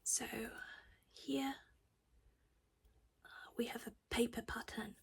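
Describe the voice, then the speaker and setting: A woman's voice: fairly high pitch, steady tone, takes it slowly, husky. A woman whispering her way through a casual cross-stitch project chat at home while losing her voice.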